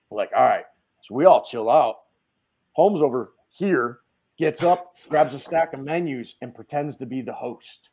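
A man from the Northeast US, a podcast guest, telling stories in a lively, casual way and swearing freely. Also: mid-range voice. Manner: animated storyteller, swears casually.

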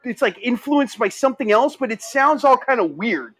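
A man's voice: extremely high pitch, expressive, moderate pace, a bit bright, husky. A man from California calling in to chat casually, rambling and swearing, laughing often. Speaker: caller.

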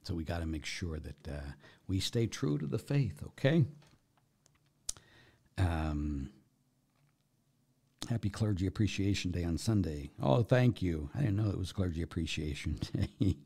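A man's voice: low-pitched, expressive, unhurried, gravelly, pauses often, dark tone, slightly rough. A man speaking as a Catholic priest, giving informal religious teaching and answering questions in a conversational, emphatic way, often checking in with listeners.

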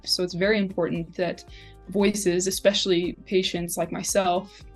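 A woman's voice: on the low side, flat delivery, normal speed, faint music behind. A woman in her twenties speaking earnestly as a patient advocate in a testimonial interview. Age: 20s.

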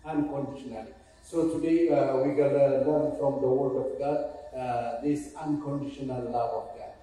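A man from Ethiopia with an Ethiopian accent, preaching a sermon as a guest pastor, halting and pausing often, repeating key phrases. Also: medium pitch, steady tone, warm tone. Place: church sanctuary. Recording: echoey church hall, mic at a distance.

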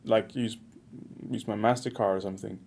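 A man's voice: lowish voice, steady tone, brisk, vocal fry, darkish tone. A man co-hosting a podcast in English, chatty and full of restarts, laughing often. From Norway. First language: Norwegian. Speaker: podcast co-host. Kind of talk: casual chat.

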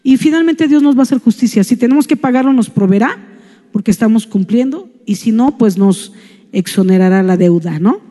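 A woman's voice: a little high, fairly quick, warm tone. Mexican woman preaching at church, chatty story style, lots of "¿no?", long echoey hall sound. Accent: Mexican Spanish. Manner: chatty storyteller, tags sentences with "¿no?". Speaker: church speaker. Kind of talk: sermon with a personal anecdote.

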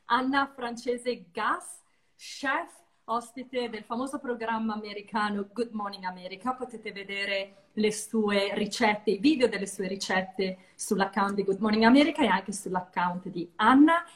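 A woman's voice: medium pitch, a little slow. A woman hosting an interview show in a conversational style, with occasional asides in English.

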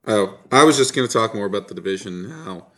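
A man's voice: lowish voice, animated, quick pace, a bit bright. A man co-hosting a sports podcast in a casual, conversational style.

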